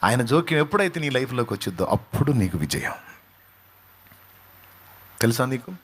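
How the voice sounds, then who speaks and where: A man's voice: mid-range voice, very animated, a little fast, a bit bright, husky. A male pastor preaching a sermon, fervent, with his voice rising to emphatic peaks and quotes delivered dramatically.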